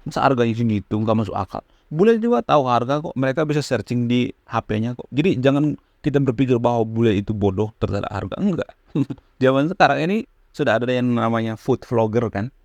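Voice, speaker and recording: Gravelly-voiced man giving earnest commentary. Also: mid-range voice, lively intonation, brisk, a little mellow, dry recording. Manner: earnest, repeats points, frequent fillers. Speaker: channel host giving commentary. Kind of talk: casual spoken commentary.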